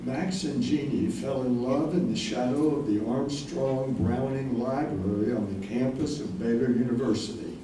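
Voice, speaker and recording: A man narrating a staged reading in a measured storytelling manner. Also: mid-range voice, mellow, natural voice. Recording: very echoey, distant, noisy hall recording.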